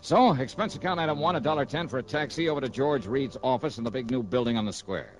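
An actor playing a breezy, wisecracking insurance investigator who also narrates, in a brisk, chatty 1960s radio drama style. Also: male voice, mid-range voice, lightly acted, poor audio. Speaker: narrator and lead. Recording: old radio broadcast.

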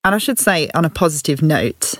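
A woman from the English Midlands, speaking in a Birmingham accent, tells her career story as a podcast guest. Her low voice is expressive and brisk, and she laughs often in this candid, reflective conversation. The recording is dry.

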